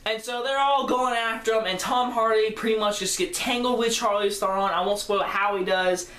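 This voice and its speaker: A man's voice: high voice, fairly even intonation, moderate pace, pushed and bright. A fifteen-year-old boy giving an enthusiastic, rambling casual movie review that keeps correcting itself. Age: teenager, fifteen. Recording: roomy echo.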